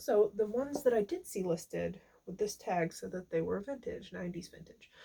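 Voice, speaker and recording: Vocal fry marks a woman's dark, mellow tone. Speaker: full-time reseller. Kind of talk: casual talk to camera.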